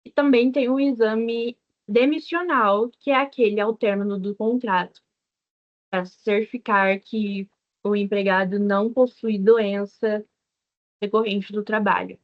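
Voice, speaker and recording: A young woman with a Brazilian Portuguese accent, a teaching assistant giving a law review lesson, explaining step by step with fillers and pauses. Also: mid-range voice, fairly even intonation. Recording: dull lo-fi lecture recording.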